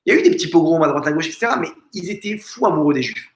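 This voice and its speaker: A rabbi giving an informal religious lesson in a family home, asking rhetorical questions and repeating phrases with emphasis. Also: male voice, fairly high pitch, lively intonation, very fast. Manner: frequent restarts and stumbles. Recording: echoey room.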